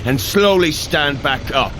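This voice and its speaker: Bold, animated Norse thunder god. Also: male voice, on the high side, a little slow, background noise. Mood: urgent, commanding. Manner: grand, commanding, theatrical archaic phrasing. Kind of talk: dramatised audio fitness adventure.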